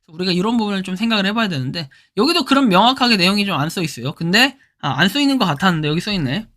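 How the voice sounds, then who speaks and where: She runs her own crypto channel and talks casually through her screen in a hoarse, mid-range voice that's rapid-fire, a bit bright, and full of lively intonation. Many of her sentences start with a prompting word.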